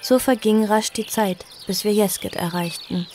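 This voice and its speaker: An actress playing an earnest, cautious girl who recounts her story in a horror audio drama, measured and reflective. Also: medium pitch, a little mellow, close to an everyday voice. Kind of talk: audio drama narration and dialogue. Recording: music behind the voice.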